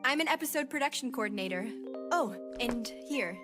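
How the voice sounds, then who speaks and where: An earnest young anime production coordinator, voiced by a woman, polite and easily startled. Her voice sits high and bright, with music running underneath. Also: expressive, fairly quick, close to an everyday voice. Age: young adult. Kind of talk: anime dub acting.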